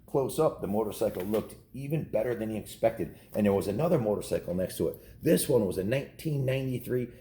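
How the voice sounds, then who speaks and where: A man's voice: on the low side, lively intonation, quick pace, hardly any pauses, dark tone, slight background noise. A man casually reading a children's novel aloud, ad-libbing informal asides to kids in a home setting. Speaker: storybook reader. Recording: roomy, echoing indoor sound.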